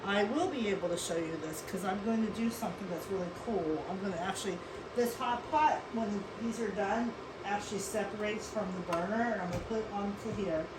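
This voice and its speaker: Born in South Korea and raised in Western Pennsylvania, a woman hosts a casual cooking show from her home kitchen, chatting and rambling while calling her viewers "folks." Her voice is medium-pitched and a little fast. The room echoes, with faint noise.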